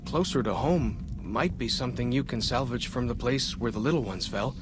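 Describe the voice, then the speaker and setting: A young, curious tribal guide from a video game, voiced by a man. He has a medium-pitched voice and talks earnestly in simple, halting phrases, with music clearly playing underneath. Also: lively intonation, lightly acted. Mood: helpful, earnest. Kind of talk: video game cutscene dialogue.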